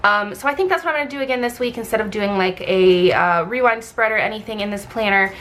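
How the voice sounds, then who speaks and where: A woman talks casually to her viewers as she would in a craft video. Her nose sounds completely blocked, giving her speech a congested sound with a slight scratch in the throat. Her pitch is average, and she rambles informally from one thought to the next. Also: quick pace, fairly bright tone. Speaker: planner vlogger.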